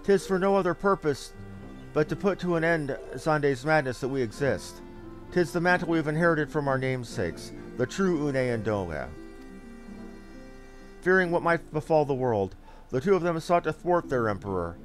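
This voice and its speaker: A man's voice: fairly high pitch, animated, moderate pace, faint music behind, close to an everyday voice. A man voicing a solemn ancient guardian from a fantasy game, speaking in formal, archaic phrases. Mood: grave, resolute. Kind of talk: fantasy game dialogue read aloud.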